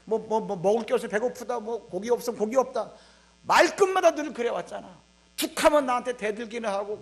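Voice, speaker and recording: A man voicing an aged prophet who rants indignantly at rebellious people during a sermon. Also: extremely high pitch. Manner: indignant, aggrieved ranting. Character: exasperated aged male prophet scolding rebels.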